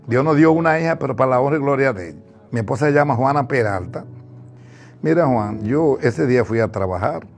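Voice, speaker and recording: A Dominican man in his sixties telling his life story in an interview, animated, acting out what others said, on a lapel mic in a studio. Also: mid-range voice, creaky. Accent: Dominican Spanish. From Dominican Republic. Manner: animated, acts out quoted speech. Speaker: interviewee giving a testimony. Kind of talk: emotional personal storytelling. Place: studio with virtual backdrop.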